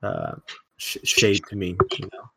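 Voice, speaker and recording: A man's voice: low-pitched, huge pitch swings, slow, gravelly, fairly bright tone, husky. A young man hosting a casual chat, rambling with many fillers.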